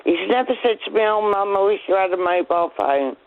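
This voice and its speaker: A woman's voice: mid-range voice, expressive. Woman calling in on landline. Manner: earnest, halting, repeats herself. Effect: over a landline phone. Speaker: caller. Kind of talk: phone-in chat. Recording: narrow tinny phone line.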